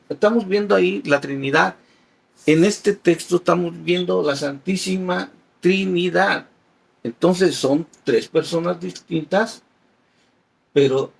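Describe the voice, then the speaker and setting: A man's voice: a little high, vocal fry, breathy edge. A man teaching a Bible class as a catechist, reading passages aloud and explaining them patiently with everyday examples.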